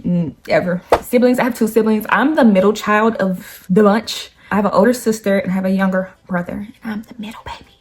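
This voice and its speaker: A young woman chats through a get-to-know-me video. She talks loosely, full of slang and asides to her viewers, and laughs easily. Her voice sits at an ordinary middle pitch. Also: steady tone, fairly quick, hardly any pauses, a little mellow. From Nashville, Tennessee. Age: 20s. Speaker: YouTuber. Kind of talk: casual get-to-know-me chat.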